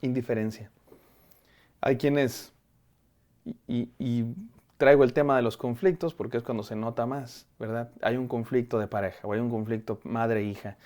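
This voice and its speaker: A middle-aged pastor delivers a devotional message straight to camera in an earnest, conversational way. His voice is dark and mellow and sits at a middle pitch. He often restarts phrases and repeats key words as he preaches. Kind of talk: devotional sermon. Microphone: camera framing, speaking to camera.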